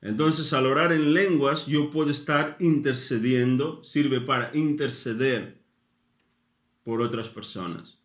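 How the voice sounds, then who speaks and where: A man preaching a sermon, speaking in short phrases with frequent pauses. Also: medium pitch, roomy sound. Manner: slow, deliberate, pausing after short phrases. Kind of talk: sermon teaching.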